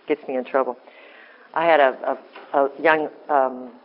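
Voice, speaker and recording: A woman with a deep voice giving an informal, earnest talk to a women's group, often breaking off and restarting. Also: steady tone, slow, muffled recording. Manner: rambling, self-interrupting, earnest. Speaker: women's ministry speaker.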